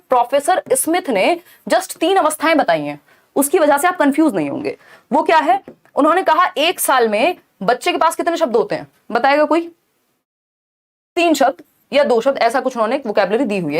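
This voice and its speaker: A woman with a high, bright voice leads an exam-prep lecture, walking through each point step by step and regularly checking in with her students. She speaks in an animated way at a fairly quick pace.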